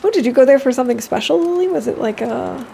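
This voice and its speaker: A woman streams a survival game and chats easily with her viewers, laughing often as she answers them by name. Her voice sits a little high. A faint noise runs underneath. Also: expressive, fast talker, gravelly, mellow. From United States. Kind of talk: casual gameplay chat with chat readers.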